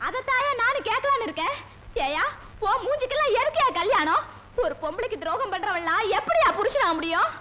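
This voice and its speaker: An actress playing a sharp-tongued, jealous village wife who scolds her husband in a comic film quarrel. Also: big pitch swings, brisk, slight background noise, full character voice. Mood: scolding. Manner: scolding, shrill. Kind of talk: 1980s film comedy acting.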